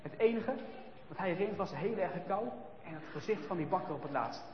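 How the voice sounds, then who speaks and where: High-voiced man telling a children's story. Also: fast talker, slight background noise. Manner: lively and expressive, swinging between hushed and loud. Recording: echoey hall, dull sound, faint ambience.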